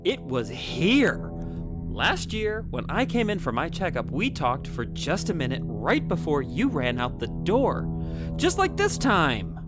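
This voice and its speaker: A man's voice: fairly high pitch, huge pitch swings, measured pace, over music. A man playing an anxious, guilt-ridden family man in a radio play, speaking hesitantly and earnestly. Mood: sheepish.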